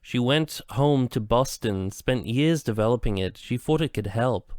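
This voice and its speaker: A man reading as a soft-spoken British woman scientist. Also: medium pitch, lively intonation, no room sound, clean studio sound, lightly acted. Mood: firm. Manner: soft, measured.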